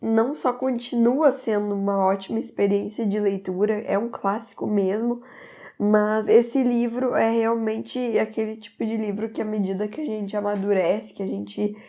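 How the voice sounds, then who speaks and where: A woman's voice: mid-range voice, warm tone. A woman, slightly stuffy from a cold, recommending a book in an enthusiastic, rambling way. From southern Brazil. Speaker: book reviewer. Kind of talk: casual book recommendation to camera.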